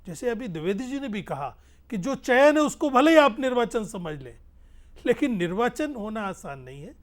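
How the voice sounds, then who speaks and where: High-voiced male panelist. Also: sing-song, moderate pace. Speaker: political panelist. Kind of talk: animated political debate.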